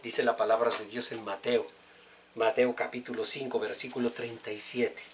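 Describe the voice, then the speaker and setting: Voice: medium pitch, little pitch movement, moderate pace, slight background noise. A preacher giving a sermon, who repeats key words and speaks straight to the congregation.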